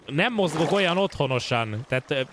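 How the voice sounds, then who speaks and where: Excitable Hungarian man streaming a game. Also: on the high side, background noise. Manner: excitable, yelps and swears at in-game scares. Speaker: gaming streamer. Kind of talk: casual let's-play commentary.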